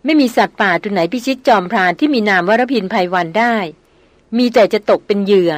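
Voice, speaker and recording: A woman reading an audiobook novel, voicing a young aristocratic woman who speaks softly and coaxingly. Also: medium pitch, fast, no echo, close to an everyday voice. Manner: soft, coaxing.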